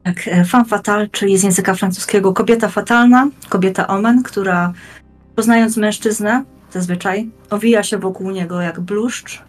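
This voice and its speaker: A young woman giving a measured, articulate explanation in formal wording, as a guest in a podcast discussion. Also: medium pitch, steady tone. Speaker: guest panelist on a role-playing games show. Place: indoors, plain room, video call. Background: music.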